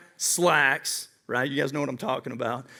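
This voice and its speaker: A man with an American accent speaks at a fairly high pitch in a bright, sharp tone with ordinary pitch variation. The recording is very clean, with a silent background. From Oklahoma, USA. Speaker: keynote speaker and head baseball coach. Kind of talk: high-energy motivational keynote speech to a live audience. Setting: live stage with audience, PA system. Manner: high-energy, enthusiastic, upbeat.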